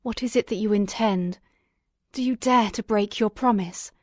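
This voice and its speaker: A woman's voice: medium pitch, moderate pace, darkish tone, no room sound, clean studio sound, close to an everyday voice. A woman voicing a bitter, vengeful male creature in an audiobook reading, speaking in a brooding, threatening way. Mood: reproachful.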